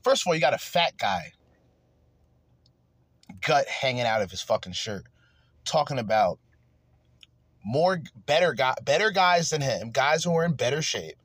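A man's voice: mid-range voice, animated, moderate pace, long pauses, a bit bright, dry recording. A man hosting a podcast, ranting crudely and angrily in heated commentary. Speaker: podcast host.

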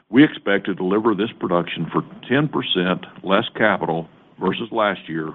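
A man presenting as a company executive on an earnings call, reading a prepared script in a formal, measured way. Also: low-pitched. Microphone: conference call phone line. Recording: tinny narrow-band phone line.

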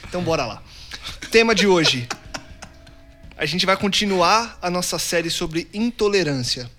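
A man's voice: sits high, lively intonation, pushed and bright. Upbeat male podcast host. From São Paulo, Brazil. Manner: friendly, teasing introductions, fast bursts.

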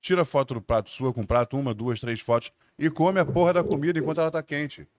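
A man's voice: mid-range voice, fairly even intonation, fast talker, no room sound, studio quality. A man co-hosting a food podcast, talking bluntly and casually and swearing as he scolds. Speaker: podcast co-host chef.

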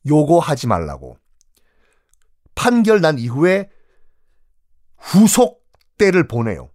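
A man's voice: on the high side, huge pitch swings, slow pace, a little mellow, no room sound, clean studio sound. A man telling history in a playful, joking way, acting out little scenes as he goes. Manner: playful, jokey, acts out scenes. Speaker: history storyteller. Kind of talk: lively history lecture.

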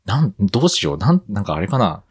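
A man from Aichi, co-hosting a podcast in casual chat, relaxed and laughing often, with a Nagoya dialect. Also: on the low side, fast, breathy edge. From Aichi, Japan. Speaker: podcast co-host.

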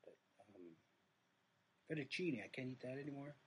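A man's voice: mid-range voice, animated, moderate pace, a bit bright, breathy edge, rough recording. A middle-aged man with a Native American reservation accent, chatting casually on a livestream in a rambling, self-deprecating way that trails off. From Red Lake reservation, United States. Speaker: comedian, live-stream host.

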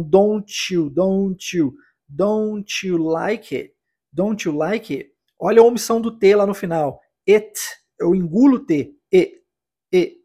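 Guy teaching english on a podcast, husky voice, bouncy up and down, repeats phrases slow. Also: high voice. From United States. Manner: animated, drills phrases slowly for repetition. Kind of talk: podcast pronunciation lesson.

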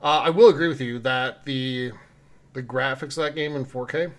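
A man's voice: medium pitch, fairly even intonation, normal speed. A man hosting a podcast in a casual, conversational way, speaking informally to co-hosts and listeners. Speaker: podcast host. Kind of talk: casual podcast talk with community announcements.

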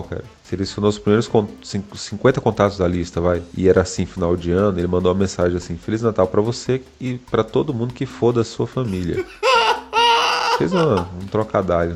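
A man telling a funny personal story in a casual chat, animated and laughing often as he acts out the dialogue. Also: deep voice, brisk, a little hiss or hum.

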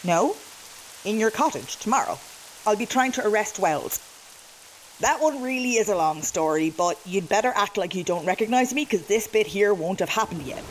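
A woman's voice: mid-range voice, animated, moderate pace, a little hiss or hum, lightly acted, low-quality recording. A woman playing a cheeky, evasive time traveller in an audio comedy, flippant, colloquial and breezily blunt. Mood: brisk, knowing. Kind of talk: comedy audio drama acting.

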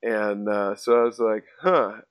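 A man recounts a poker hand for his podcast in a casual, rambling way, full of fillers and false starts. His voice sits at an ordinary middle pitch. The recording is dry and close. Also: animated, a little slow, fairly bright tone, no echo. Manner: storytelling with many fillers and restarts. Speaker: podcast host.

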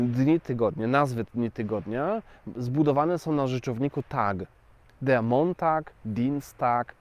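Man, language teacher, unhurried delivery, casual explanations, dry recording. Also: mid-range voice, a little mellow, dry recording. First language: Polish. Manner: chatty, addresses viewers directly, slow and deliberate.

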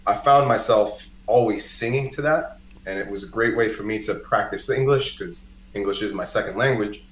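A man's voice: fairly low pitch, normal speed, slight background noise. A man from Costa Rica, a native Spanish speaker, chatting casually and telling personal stories as a podcast guest, with lots of "like" and "you know". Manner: conversational, peppered with "like" and "you know". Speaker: podcast guest, singer-songwriter. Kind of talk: casual chat, personal storytelling. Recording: roomy, echoey indoor sound.

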